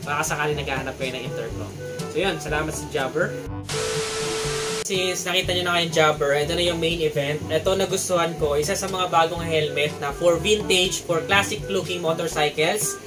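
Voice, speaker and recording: A Filipino man with a slightly high voice presents an unboxing in a casual vlog style. He is chatty and informal and slips English terms into his talk. Loud guitar music plays behind him throughout. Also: normal speed. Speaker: motorcycle vlogger and product reviewer. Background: prominent guitar music.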